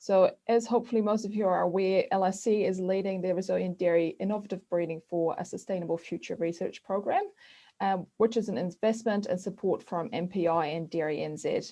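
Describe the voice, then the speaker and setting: A woman with a slight Dutch accent, a dark, mellow tone, fairly even intonation and a fairly quick pace, against a quiet background. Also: medium pitch for a woman. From Netherlands. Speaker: scientist. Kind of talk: presentation. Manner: hesitant, many ums.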